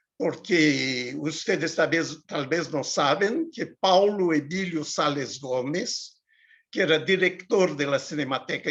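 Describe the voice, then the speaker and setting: A high-pitched male voice at a very slow pace. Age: 80s+. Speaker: writer. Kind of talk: interview. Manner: halting, repeats words.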